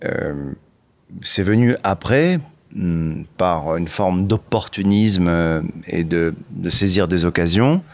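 Animated man telling stories, dry sound. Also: deep voice, no room sound. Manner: animated storytelling, halting restarts, bursts of excitement. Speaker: guest. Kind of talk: candid interview talk.

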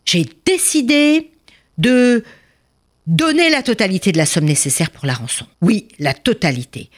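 A woman's voice: fairly high pitch, expressive, unhurried, pitched above the performer's own voice. Woman voicing a fussy, pleading rich miser. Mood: insistent. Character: rich old miser, fussy and anxious man.

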